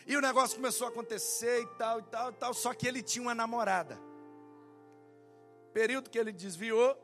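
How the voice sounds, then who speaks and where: Pastor guy, high voice, acts out convos in his sermon, soft music under. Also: brisk. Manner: animated, acts out dialogue in quotes. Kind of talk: sermon storytelling.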